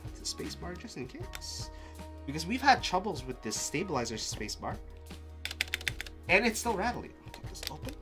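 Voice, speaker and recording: Streamer thinking out loud, mutters and restarts a lot, pitch jumps all over, faint music going in the back. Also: sing-song, moderate pace. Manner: mutters to self, restarts, exclaims. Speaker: live streamer testing keyboards. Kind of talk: casual thinking-aloud commentary.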